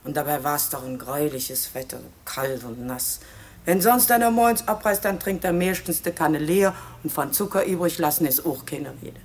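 An actress playing a plain-spoken village maidservant in a radio crime drama, colloquial and matter-of-fact. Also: female voice, low voice, expressive, moderate pace. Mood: plain, slightly impatient. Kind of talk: German radio play acting.

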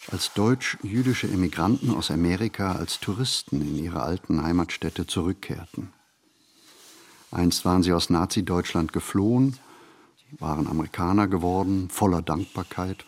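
A man reads a reflective literary monologue for a radio play, phrasing deliberately and expressively with pauses. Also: sits low, darkish tone, husky.

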